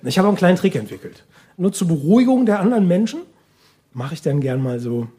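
Animated male stand-up comedian. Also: high-pitched, quick pace. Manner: casual, chatty asides in short phrases. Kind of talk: stand-up comedy monologue, conversational.

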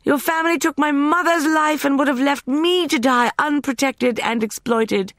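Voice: medium pitch, very animated, measured pace, creaky, no room sound, studio quality, voice pushed up, heavily acted. A narrator voicing an imperious, vengeful young woman with a light, piercing, scornful voice.

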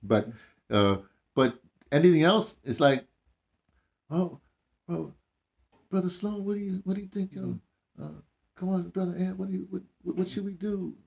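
A man's voice: sits high, normal speed, gravelly, long pauses, darkish tone. Older American man, rambling storyteller. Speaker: interviewee, audio dramatist. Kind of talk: casual chat, storytelling. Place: small room indoors, seated.

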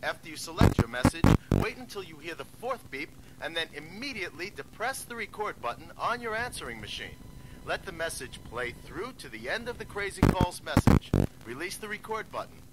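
A man's voice: a little high, very animated, brisk, very noisy. A man announcer reading step-by-step instructions, played from an old worn tape. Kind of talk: scripted instructions.

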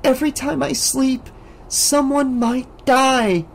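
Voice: high voice, fairly even intonation, takes it slowly, creaky, voice pushed up, full character voice. A reader voicing a frightened, haunted teenage girl who talks tremulously and pleads to be believed. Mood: whispering. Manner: tremulous, whispering.

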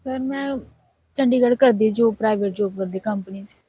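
A young woman with a Punjabi accent, speaking softly and haltingly in an interview, close to tears. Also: mid-range voice, slightly rough, dry recording. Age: young adult. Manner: soft, halting, tearful. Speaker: flood victim interviewee. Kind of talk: emotional interview testimony.

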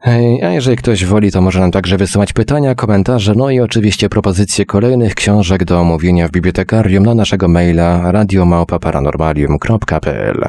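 A man hosting a radio show, introducing it and reading announcements in a formal, measured way that addresses listeners directly. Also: low voice, warm tone. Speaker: radio host.

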